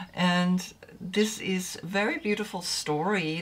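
A woman's fairly low, somewhat breathy voice at a very slow pace, with ordinary pitch variation. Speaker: tarot reader. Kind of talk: spiritual reading talk to camera. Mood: warm, calm, expressive. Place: home room. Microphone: phone near.

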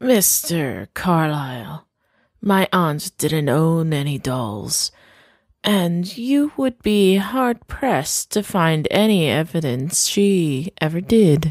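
The speaker puts on a character voice at a middle pitch. The pace is very slow. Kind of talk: 1920s noir audio drama. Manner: genteel, coolly menacing.

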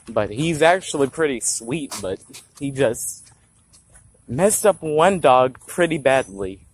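A man's lively intonation at a fairly slow pace, with dry sound and no echo. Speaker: YouTuber vlogger. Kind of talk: casual vlog while walking a dog. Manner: casual, chatty, animated. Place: street. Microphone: phone near.

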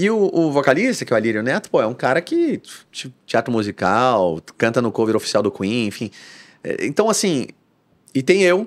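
With very wide pitch swings, a man talks at a moderate pace, leaving long, frequent pauses over a quiet background. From Brazil. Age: 40s. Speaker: guitarist and music teacher; music teacher. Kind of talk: casual chat. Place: studio. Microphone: studio mic.

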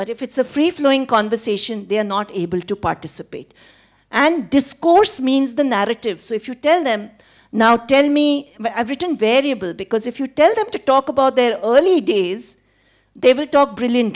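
A woman speaks with a high pitch and lively intonation. Her pace is moderate, and the background is quiet. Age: 60s. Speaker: neuropsychologist; lecturer on aging. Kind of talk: lecture. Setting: stage with audience. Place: hall. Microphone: podium.

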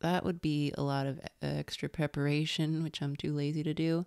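In a very deep, low pitch, a soft-spoken woman talks at a moderate pace with a dark, mellow tone and monotone, flat intonation. The sound is dry with no echo over a quiet background. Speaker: anime video essayist. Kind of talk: unscripted video essay. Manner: hushed, soft-spoken. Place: home room. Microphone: handheld.

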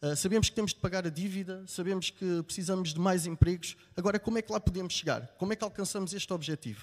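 A man talks at a very fast pace in a high voice, with ordinary pitch variation. His loudness swings widely against a quiet background. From Macau. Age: 30s. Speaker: tech entrepreneur, public speaker; public speaker. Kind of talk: short stage talk. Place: stage. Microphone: handheld.

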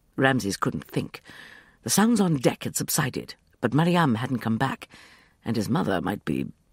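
Someone reads aloud here in a natural voice.

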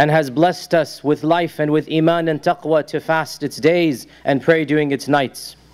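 A man at a moderate pace, monotone and flat, over a quiet background. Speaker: preacher. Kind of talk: sermon. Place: church. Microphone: podium.

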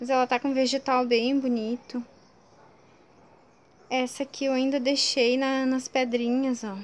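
High-pitched woman's voice, monotone and flat, at a moderate pace. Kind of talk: casual tutorial vlog chat. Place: garden. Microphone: phone near.

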